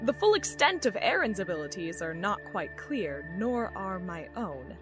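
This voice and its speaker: Female commander played by an actress, audio drama: enigmatic, controlled, condescending, medium pitch, quiet score underneath. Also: big pitch swings, normal speed, over music, close to an everyday voice. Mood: cool, knowing. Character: cool, secretive woman in command, knowing and condescending.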